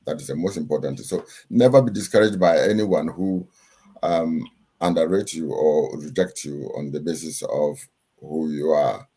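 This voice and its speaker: A middle-aged man with a Ghanaian accent, giving steady, instructive interview answers with frequent pauses and fillers. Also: rumbling low, husky. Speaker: guest, chartered accountant and lecturer.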